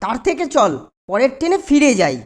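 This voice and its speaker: A woman's voice: high-pitched, very animated, fairly quick. A woman voicing a grumbling, reluctant boy in a children's cartoon, complaining and exclaiming. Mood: doubtful.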